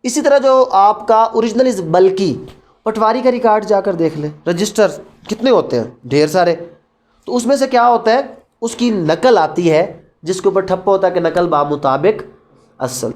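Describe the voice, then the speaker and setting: Speaking a little slowly in a high, darkish voice, a Pakistani-accented law lecturer explains evidence law in a blend of Urdu and English. He poses questions and answers them himself, in a teacherly way.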